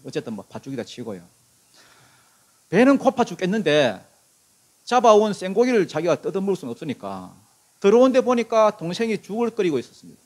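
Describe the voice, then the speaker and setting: A middle-aged male pastor delivers a sermon. His voice sits on the high side and rises and falls widely. He keeps asking the congregation questions and acts out the quoted lines of the story himself. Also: big pitch swings, brisk. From Korea.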